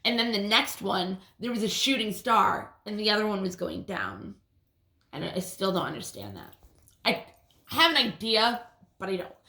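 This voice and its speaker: Woman vlogger with a lisp, gravelly fry, roomy echoey sound, casual and profane. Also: medium pitch, sing-song, moderate pace, sharp tone. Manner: casual, swears often, restarts sentences. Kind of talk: rambling personal storytelling. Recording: roomy echo.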